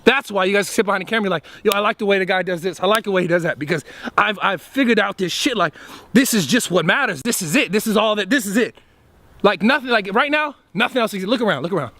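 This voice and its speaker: A man speaks quickly and emphatically to his camera outdoors, riding one motivational thought into the next. His voice sits high and his pace is rapid. He swears freely and keeps pushing his point. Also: lively intonation, pushed and bright. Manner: rambling, profane, fast and emphatic. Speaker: vlogger. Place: outdoors among trees.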